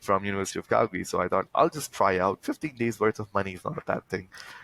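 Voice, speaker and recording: Speaking at a very fast pace with an Indian accent, a man shows ordinary pitch variation in a dry, close recording with no echo. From India, Bihar (Patna). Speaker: tech startup co-founder. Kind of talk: podcast interview.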